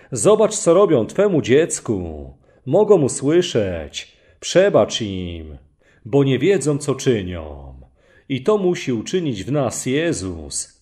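A man preaching in a slow, deliberate way. His pitch rises and falls widely, leaning hard on key phrases as he reads scripture aloud. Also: darkish tone. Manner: slow, emphatic preaching with Bible readings. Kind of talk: sermon.

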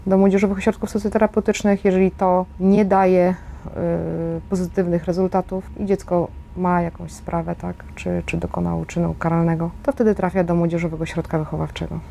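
A woman speaks as an educator in an interview. Her voice is warm and dark with vocal fry, and there is faint noise around her. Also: lowish voice, little pitch movement, brisk. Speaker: educator at youth centre. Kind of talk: explanatory interview talk.

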